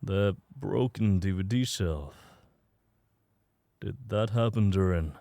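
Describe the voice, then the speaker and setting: A man as a low-voiced Swedish werewolf. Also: slow, vocal fry, dark tone, dry recording. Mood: amiable. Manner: easygoing, protective. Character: protective, good-natured Swedish alpha werewolf's mate. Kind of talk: scripted audio drama acting.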